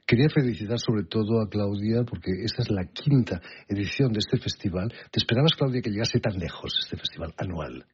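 A man hosting a radio interview, speaking in a polished, measured presenter manner. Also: on the low side, expressive, slightly rough. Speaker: radio host. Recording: muffled broadcast audio with faint music.

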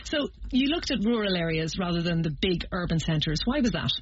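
A woman's voice: fairly low pitch, animated, a little fast, husky, no room sound, dull audio. A woman hosting a radio interview, asking conversational questions and summing up her guest's points. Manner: conversational, leading questions and summaries.

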